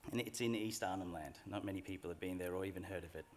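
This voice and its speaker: A middle-aged man giving a formal graduation address from a lectern microphone in a large hall, in a measured and earnest way. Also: deep voice. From Australia. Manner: measured, earnest, reflective speech delivery. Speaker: graduation speaker.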